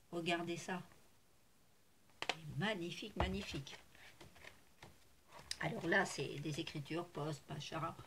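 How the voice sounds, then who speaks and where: Here a woman with a low voice chats casually on camera while showing a crafting haul. Her delivery is halting and filler-heavy, gushing and repetitive, and a little hiss or hum sits under the audio.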